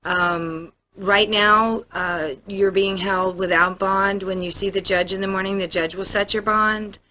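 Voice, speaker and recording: A woman's voice: medium pitch, fairly even intonation, unhurried, sharp tone. An American woman, a police officer, explaining procedure to a suspect in a matter-of-fact interview manner. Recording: noisy interview room audio.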